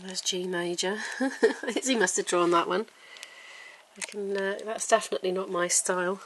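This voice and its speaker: A woman's voice: mid-range voice, steady tone, normal speed, a bit bright, a little hiss or hum. Chatty home vlogger, middle-aged woman. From living in Wales. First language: English. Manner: chatty, self-mocking, breaks into little sung notes. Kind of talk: casual vlog chat while decluttering.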